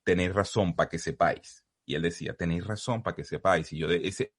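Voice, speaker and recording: A man's voice: low voice, fairly quick, husky. A man from Zulia, Venezuela, with a Zulian Venezuelan accent, a podcast guest telling his story earnestly in a casual interview over a video call. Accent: Zulian Venezuelan Spanish. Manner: earnest, storytelling, uses vos forms.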